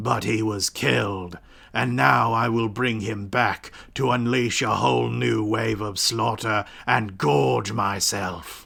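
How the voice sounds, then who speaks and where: A man puts on a raspy character voice, fairly low in pitch and delivered at a fairly slow pace. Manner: grandiose, boastful.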